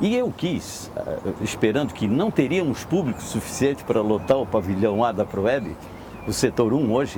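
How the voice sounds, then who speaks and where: A man with lively intonation at a moderate pace, over noticeable background noise. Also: medium pitch for a man. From Blumenau, Santa Catarina, southern Brazil. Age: 70s. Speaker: former mayor. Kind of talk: interview. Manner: halting, with repetitions and fillers.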